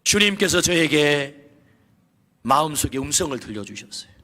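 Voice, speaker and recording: A pastor in his fifties preaching a sermon in a church, telling stories with swings from soft to shouting. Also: fairly high pitch, animated, moderate pace. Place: church sanctuary. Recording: long reverb of a church hall.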